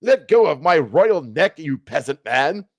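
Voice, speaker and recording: A pompous English king, roaring with indignant defiance, as a man acts him out for a story. His voice is raised and somewhat high. The sound is dry and close. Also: big pitch swings, measured pace, dry recording, exaggerated voice. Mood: defiant, outraged.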